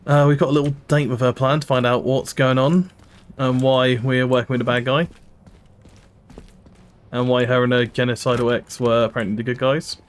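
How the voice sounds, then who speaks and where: A man's voice: medium pitch, flat delivery, normal speed. A man streaming a game, giving chatty, casual commentary with frequent laughs and asides. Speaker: let's play streamer. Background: game music.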